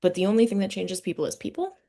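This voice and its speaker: A woman hosting a casual interview, speaking thoughtfully and often pausing mid-sentence to find her words. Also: mid-range voice, expressive, warm tone. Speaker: interviewer and host.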